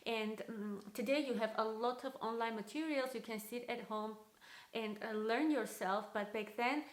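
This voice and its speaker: A woman in her thirties speaks English with a strong Armenian accent. She talks casually to camera with plenty of fillers. Her voice sits a little high and bounces around an echoey room. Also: moderate pace. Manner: chatty, many fillers. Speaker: vlogger. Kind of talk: casual vlog talk to camera.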